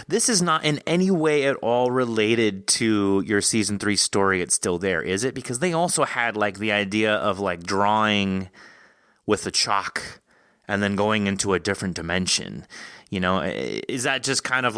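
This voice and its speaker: Low-pitched, bright-voiced male podcast host. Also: clean tone, no room sound, studio quality. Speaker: podcast host interviewing an author. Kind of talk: casual discussion of fiction.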